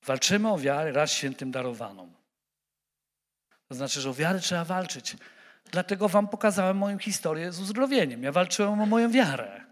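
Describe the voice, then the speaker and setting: A man preaching a sermon who speaks straight to the congregation, animated and repeating words as he stumbles. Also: a little high, big-room sound.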